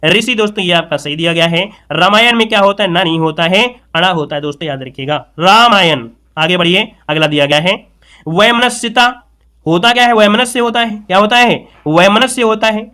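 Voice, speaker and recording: A male exam-prep tutor with a high, bright, forceful voice works through a spelling lesson. He keeps calling his viewers friends and stretches out key words slowly so every letter lands. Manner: explains point by point, keeps addressing the audience as friends; drags out words to stress their spelling. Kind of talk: spoken lesson on Hindi spelling.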